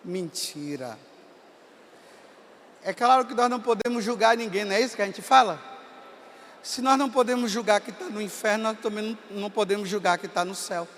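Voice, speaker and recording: A Brazilian priest in his fifties with a Bahia accent, telling stories in a sermon and rising to impassioned shouts. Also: sits high, fairly even intonation, fast talker, slight background noise. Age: 50s. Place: large hall at a camp gathering. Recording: long reverb of a large hall.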